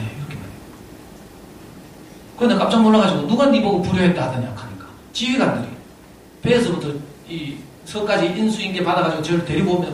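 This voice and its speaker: A middle-aged man with a Gyeongsang accent tells a personal story to an audience, animated and laughing often as he talks. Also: a little high. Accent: Gyeongsang (Daegu). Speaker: parent speaking at a parenting lecture. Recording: echoey hall, distant mic, audible room noise.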